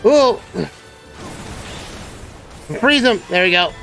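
Guy streaming a game live, pretty high voice, keeps going oh boy, lil bit of game music behind. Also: extremely slow. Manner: excitable, frequent "oh boy" exclamations and laughs. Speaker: gameplay streamer. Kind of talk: live gameplay commentary.

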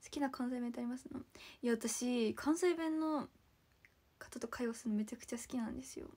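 Bubbly high-voiced young woman streaming. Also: a little fast, dark tone. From Saitama, Japan. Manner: chatty and bubbly, thanking viewers by name, drops into whispers. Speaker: idol livestreaming and reading viewer comments. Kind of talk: casual livestream chat.

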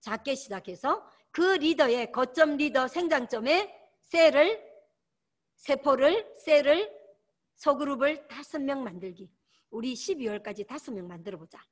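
A woman lectures her sales team in a bright, high voice. Her pitch leaps up and down with animated energy. She drives every point home by saying its key word again and again. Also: a little slow. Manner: emphatic, repeats key words, exhorting. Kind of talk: motivational training lecture.

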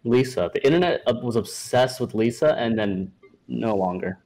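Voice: mid-range voice, lively intonation, moderate pace, darkish tone, poor audio. A friend chatting casually while playing along in a video game session. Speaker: friend joining the gameplay. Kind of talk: casual gameplay chat.

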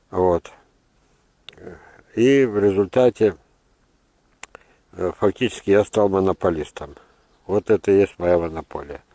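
An older man with a deep voice talks like a seasoned gardener explaining his orchard. He speaks without a script, halting and digressing as he gives firm opinions. The sound is dry and open, recorded outdoors. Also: a little mellow, dry recording. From Russia. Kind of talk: unscripted instructional monologue.

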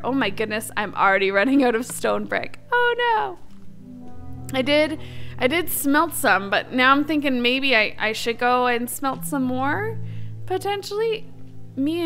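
A woman's voice: sits high, fairly bright tone. A young woman giving casual, chatty gameplay commentary, upbeat and thinking aloud as she goes. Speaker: gaming video creator.

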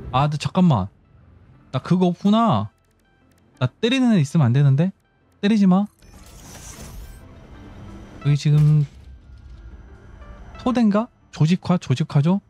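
A man walks through building a factory in a game, his voice mellow and dark in tone yet pitched a little high. His delivery rises and falls a lot as he explains each step. Soft music plays underneath. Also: animated, measured pace, pauses often. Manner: instructive, talks himself through building steps. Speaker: gaming YouTuber. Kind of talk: game commentary.

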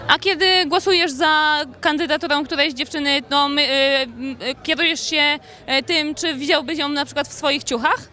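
A woman's voice: sits high, fairly even intonation, moderate pace, hardly any pauses, bright, forceful tone. A young woman reporter asking questions at an outdoor evening gala into a handheld mic, upbeat with some fillers. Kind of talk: red-carpet interview questions.

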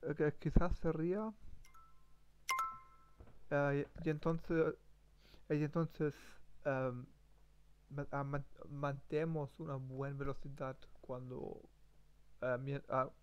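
A man slowly improvising a story as practice, with many fillers, pauses and restarts. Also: on the high side, fairly even intonation, darkish tone, highs cut off, a little hiss or hum. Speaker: language learner streamer. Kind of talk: halting improvised practice talk.

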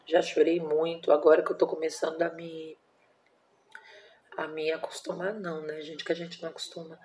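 A woman's voice: sits low, flat delivery, normal speed, background noise. A Brazilian woman in her forties, a mother telling a personal story at home in a casual vlog, emotional and tender, full of diminutives and fillers. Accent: Brazilian Portuguese. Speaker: vlogger, mother.

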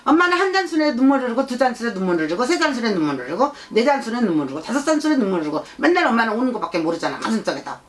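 A woman's voice: a little high, big pitch swings, rapid-fire, hardly any pauses, slight background noise. A woman shaman voicing a blunt, childlike spirit in a consultation, repeating herself insistently and prodding with scolding questions. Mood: earnest, nagging. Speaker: shaman fortune-teller.

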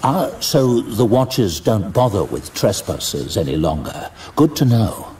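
Archmage for fantasy audio drama played by a male narrator: deep, unhurried, wry, composed and courteous. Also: slight background noise. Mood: wry, light. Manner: light, dry, calm.

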